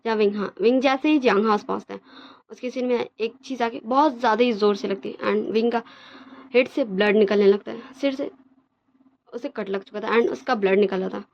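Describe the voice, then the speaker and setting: A woman's voice: a little high, brisk, gravelly, muffled recording, a little hiss or hum. A woman host casually retelling a fan story, chatty and full of fillers, mixing in English words.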